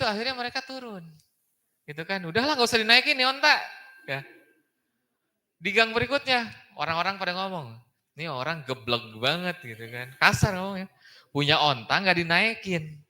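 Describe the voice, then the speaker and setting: A man's voice: medium pitch, bright, forceful tone. A man giving a casual Islamic study talk in a mosque, chatty and often tagging his phrases with a questioning aside. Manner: chatty, tags phrases with "gitu kan ya". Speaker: preacher.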